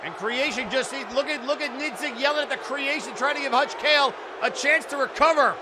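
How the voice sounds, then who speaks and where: A man giving live wrestling play-by-play, shouting excitedly and exclaiming at the action and the referee. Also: extremely high pitch, fairly quick. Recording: noisy event audio with loud crowd. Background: crowd noise and slamming thuds.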